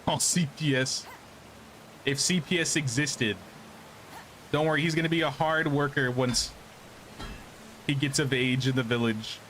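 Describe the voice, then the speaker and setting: Man of medium pitch for a laid-back stream host who chats with viewers while he plays. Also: a little slow, pauses often, fairly bright tone, slight background noise, low-quality recording. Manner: thinks aloud, changes his mind, answers chat. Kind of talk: casual live gameplay commentary.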